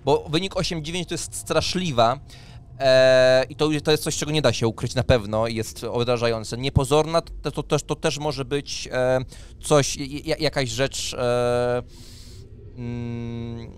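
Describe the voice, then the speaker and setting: A man in his thirties, working as game master, narrates a tabletop role-playing scene and explains its rules at an unhurried pace and medium pitch. It's captured on a studio microphone on a boom arm, with clear background noise.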